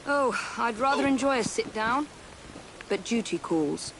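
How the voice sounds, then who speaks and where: An actress playing a brisk, dutiful young Victorian woman with a wry manner, recorded as game audio with ambient noise. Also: on the high side, lively intonation.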